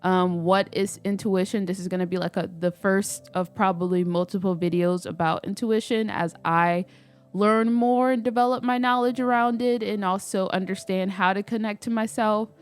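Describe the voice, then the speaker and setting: A woman's voice: mid-range voice, fairly even intonation, normal speed, clear, resonant tone, faint music behind. Stuffy-nosed woman chatting casually. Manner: rambling, many "like" fillers and restarts. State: stuffy, a little nasal from a cold. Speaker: spiritual vlogger. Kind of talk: casual chat to camera. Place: at home, doing her hair.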